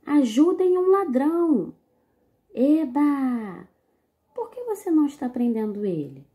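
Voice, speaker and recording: A woman voicing a shrill young lady crying for help. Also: big pitch swings, slow pace, phone-quality sound, full character voice. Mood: alarmed. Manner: shrill exclaiming, read from a comic strip.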